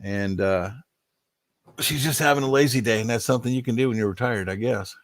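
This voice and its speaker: Brisk and mid-range, this older man's voice carries a slight allergy-driven nasality as he hosts a relaxed live stream. He rambles folksily, chuckles through asides and reads off viewer names; the studio-quality audio has no room sound.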